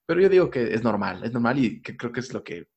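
A man talks over a video call in a relaxed, easygoing way. His voice is mid-pitched as he hosts a casual chat and asks his guest questions. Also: quick pace. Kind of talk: casual remote conversation.

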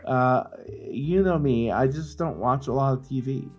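A man's voice: medium pitch, unhurried, a little mellow, highs cut off, soft background music. A man hosting a podcast in casual chat, opinionated and slangy, swearing freely. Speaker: podcast host.

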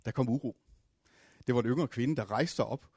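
A man preaching a sermon, telling stories with dramatic swings between loud and hushed passages. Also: mid-range voice, breathy edge, dry recording, clean studio sound. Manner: storytelling with fillers and restarts.

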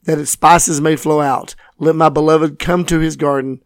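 A man with a scratchy, hoarse voice, teaching and reading scripture as host of a Bible program. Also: fairly high pitch, fairly even intonation, normal speed, no echo, studio quality. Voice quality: scratchy, raspy. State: hoarse from voice loss, recovering.

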